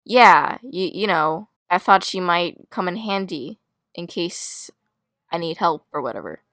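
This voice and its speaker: A woman voicing a guarded, defiant teenage schoolgirl with a casual, slightly sulky manner in an animated roleplay. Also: lowish voice, a little slow, no echo, clean studio sound. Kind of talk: hobby animated roleplay voice acting.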